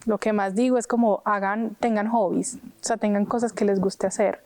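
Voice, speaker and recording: A woman's voice: mid-range voice, steady tone, moderate pace, mellow. A young woman who sings opera, chatting casually in an interview and filling her speech with "pues" and "o sea". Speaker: opera singer.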